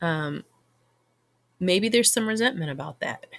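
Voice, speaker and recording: The voice is quiet on a very clean recording with a silent background. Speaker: tarot reader. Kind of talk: tarot reading. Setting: at home late at night. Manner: quiet, low volume.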